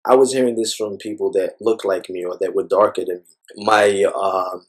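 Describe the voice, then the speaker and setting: A man's voice: low-pitched, fairly even intonation, normal speed, breathy edge. A man speaking as an interview guest, talking thoughtfully in a rambling way with many fillers. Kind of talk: reflective personal conversation.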